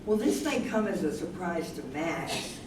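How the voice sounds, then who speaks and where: A woman's voice: lowish voice, animated, a little slow, a little mellow. A woman playing an aging, wistful wife who is losing her memory, in a staged reading. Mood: wistful, remembering. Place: live staged reading in an echoey room. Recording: roomy, distant stage recording with noise.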